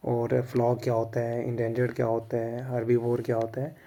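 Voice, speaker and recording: A man's voice: medium pitch, completely flat delivery, a little fast, mellow. Indian man explaining a lesson plan. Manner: repeats "theek hai" to check understanding. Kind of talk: casual instructional explanation mixing Hindi and English.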